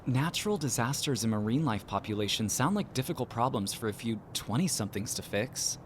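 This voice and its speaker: A woman's voice: rumbling low, lively intonation, brisk, slight background noise. A woman playing a dry, skeptical young traveler in an audio drama, with natural delivery. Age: young adult.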